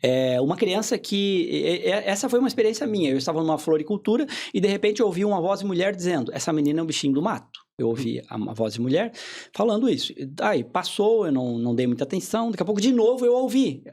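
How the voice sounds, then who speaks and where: A man, a hypnotherapist guest on a podcast interview, explaining in a calm, teaching way and often checking in with short tag questions. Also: sits high, fast talker.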